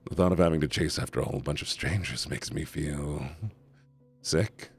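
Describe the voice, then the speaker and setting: A man's voice: extremely low pitch, moderate pace, slightly rough, faint music behind. A man streaming as he reads a visual novel aloud, swinging between narration and chatty asides to his chat. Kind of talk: live stream reading and reacting.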